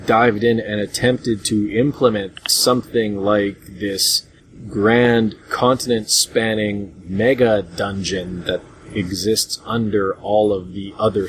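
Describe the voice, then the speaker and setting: Low-voiced man hosting over background noise. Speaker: podcast host. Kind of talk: casual group discussion about retro games. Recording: noisy low-grade voice chat recording.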